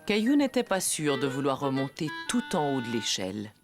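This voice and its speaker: A woman narrating a children's story in French, expressive, stretching words for emphasis. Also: rumbling low, normal speed. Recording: music bed behind the voice.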